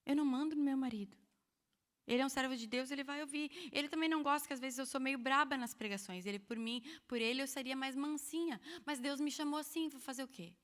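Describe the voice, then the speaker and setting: A woman preaching an expressive, animated sermon at a women's church meeting, with humorous asides to the audience. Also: high voice, fast talker, in a large hall. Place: church hall.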